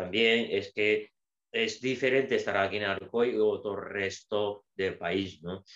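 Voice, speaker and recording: Very slowly and with fairly even intonation, a man talks in a fairly low pitch. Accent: Japanese. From Japan, Kobe. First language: Japanese (speaking Spanish). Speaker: president of a cultural association. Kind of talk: interview. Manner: halting.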